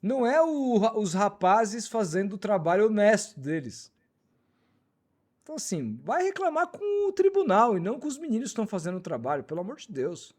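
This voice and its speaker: A man's voice: sits high, sing-song, a little mellow. A man hosting a live football talk stream, reading viewer comments and answering critics in a blunt, informal way. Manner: blunt, fast-talking, informal. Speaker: channel host reading superchats.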